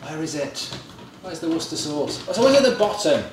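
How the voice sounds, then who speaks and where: A man's voice: fairly high pitch, sing-song, brisk, far from the mic, noisy background. A man in his thirties hosting a home cooking video, chatting casually and rambling off into jokes while he cooks. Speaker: cooking show host. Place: home kitchen, indoors. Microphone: camera mic at a distance. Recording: echoey kitchen, mic set back.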